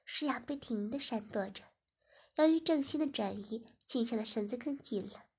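Woman, story narrator, gravelly voice, husky tone, fairly high pitch, even delivery. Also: normal speed. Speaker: story reader. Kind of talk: first-person erotic story narration.

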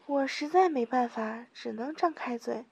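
High, breathy woman narrating intimately. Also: normal speed. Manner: soft, intimate storytelling with small giggles. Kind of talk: first-person adult audio story reading.

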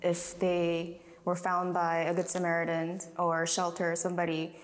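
A woman speaking for a tech company, explaining its product in a measured interview. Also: lowish voice, completely flat delivery.

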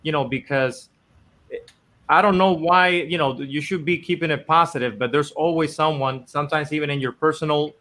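A man's voice: on the high side, steady tone, moderate pace, bright, forceful tone. A man from the Dominican Republic, a company founder, telling his story in a casual, earnest, rambling interview with many fillers.

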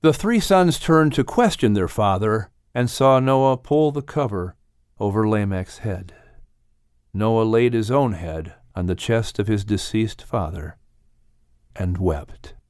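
A man's voice: on the low side, animated, slow, darkish tone, clear, resonant tone, no room sound, studio quality. A man reading scripted narration for a children's audiobook story.

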